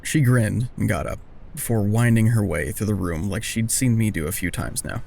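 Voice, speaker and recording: A man's voice: on the low side, normal speed, creaky, darkish tone, a little hiss or hum. A man narrating a dramatic first-person story in a wry, confessional way.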